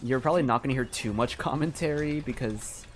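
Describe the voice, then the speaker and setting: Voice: medium pitch, fairly quick. A game streamer talking casually and thinking aloud, in an informal, hesitant and rambling way. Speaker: livestreamer playing a game.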